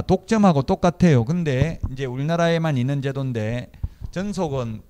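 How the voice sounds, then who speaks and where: A man's voice: a little high, a little mellow. A middle-aged man teaching real estate brokerage law in a conversational style. He asks the class questions, answers them himself and tells stories from his own work as a broker. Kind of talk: classroom lecture.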